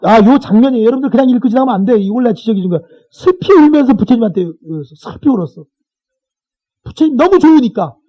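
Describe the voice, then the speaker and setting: A Buddhist monk lectures on a sutra to his class in an unusually high voice for a man. He keeps it colloquial and checks back with his listeners as he goes. The recording sounds dull and lo-fi. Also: expressive, racing.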